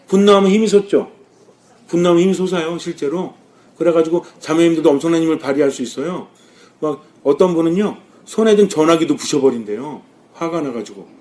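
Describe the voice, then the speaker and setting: A Catholic priest delivering a sermon in a somewhat high voice. He keeps throwing questions at his listeners and answers them himself. His delivery swings between lively, louder bursts and soft, low asides. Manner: lively, rising and dropping with emphasis.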